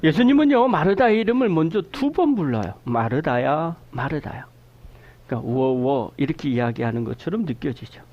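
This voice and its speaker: Pastor, sunday sermon, lively rising and falling speech, asks the congregation questions, slightly dull recording. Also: mid-range voice. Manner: animated preaching, asking the congregation questions; explains a scripture word's meaning slowly. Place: church sanctuary.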